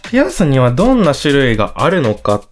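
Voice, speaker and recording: A man's voice: medium pitch, huge pitch swings, fast, soft background music. A young man in his twenties from Hokkaido, a university student co-hosting a casual podcast, polite and easygoing. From Hokkaido, Japan. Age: 20s.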